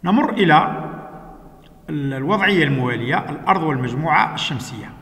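A man's voice: fairly high pitch, animated, a bit bright. Male teacher in an echoey room. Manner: patient, step-by-step explaining with frequent "uh" pauses. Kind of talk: lesson, working through textbook exercises. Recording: echoey room with long reverb.

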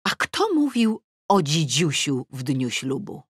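A woman narrating an audiobook in the first person with a wry, ironic delivery and lively pitch swings, close to the mic. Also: slow, breathy edge, no echo. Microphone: close studio mic.

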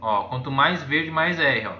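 A YouTuber with a Brazilian Portuguese accent rambles casually in a mid-range, expressive, unhurried voice as he walks through charts on screen, pointing things out again and again. It's relaxed screen-share commentary, recorded in an echoey room with dull lo-fi sound and faint noise.

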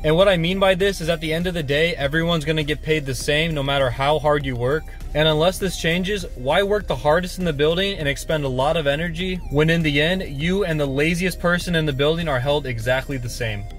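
A man's voice: on the high side, fairly quick, hardly any pauses, soft background music. A man in his twenties giving casual advice to camera in a vlog, recorded at arm's length inside a car. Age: 20s. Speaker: YouTuber and warehouse worker giving tips. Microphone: phone or camera at arm's length.

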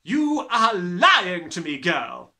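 A man voicing a harsh, sneering, bullying middle-aged headmistress in a children's storybook, with snapping, drawn-out emphasis. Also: high voice, huge pitch swings, pushed and bright, voice pushed up, exaggerated voice. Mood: sharp, accusing. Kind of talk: dramatised children's storybook reading.

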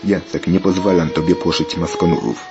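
A man voicing a strict father giving firm, loud commands in a read-aloud story. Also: deep voice, fairly even intonation, brisk, over loud music. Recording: muffled lo-fi with faint hiss.

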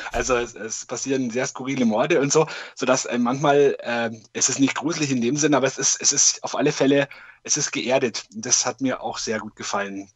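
Mid-pitched man in casual discussion. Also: fairly bright tone, no echo. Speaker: podcast panelist reviewing audio dramas. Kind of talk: casual chat.

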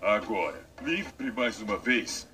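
A man's voice: on the low side, animated, takes it slowly. A man voicing a wise guardian mask spirit in a dubbed game, grave and fatherly as he explains. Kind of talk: dubbed video game cutscene acting. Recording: quiet distant game audio under music.

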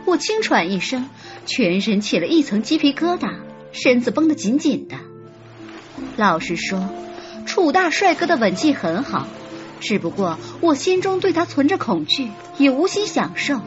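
A woman's voice: high-pitched, very animated, moderate pace. A woman narrating a romance audiobook in first person, telling it expressively. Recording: slightly dull audio with soft music.

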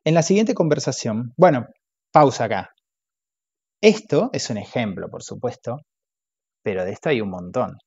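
A man's voice: medium pitch, animated, normal speed, gravelly, pauses often, darkish tone, slightly rough, dry recording. A man reading a self-help audiobook, adding casual asides. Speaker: audiobook narrator. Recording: dull, dry lo-fi recording.

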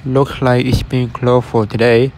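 A man's voice: medium pitch, little pitch movement, unhurried, darkish tone. A man narrating a casual walkthrough of a closed restaurant, speaking matter-of-factly and addressing his viewers directly. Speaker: vlogger exploring closed stores. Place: outdoors at a shopping center storefront. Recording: faint outdoor traffic noise.

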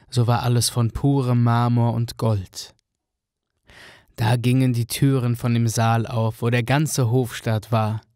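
A man's voice: mid-range voice, no room sound. Man narrating a fairy tale, dry and close. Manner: even, storytelling.

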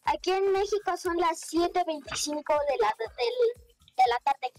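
A woman with a very high voice and a Mexican accent chats casually over voice chat during a game, trailing off and filling pauses. Game music plays clearly behind her. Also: expressive. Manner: chatty, with fillers like "este". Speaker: gaming guest. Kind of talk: casual chat while gaming.

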